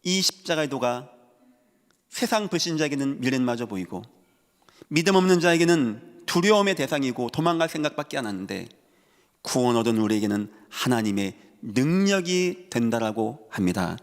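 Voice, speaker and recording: A man preaching as a pastor in a large church sanctuary, with emphatic swings between loud rises and hushed drops. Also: mid-range voice, animated, moderate pace. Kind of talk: sermon. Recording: long hall reverb.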